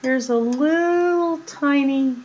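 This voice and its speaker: A woman vlogger doing a casual show-and-tell of jewelry, chatty and unhurried, with many ums and uhs. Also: high-pitched, a little mellow. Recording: dull lo-fi sound with mains hum.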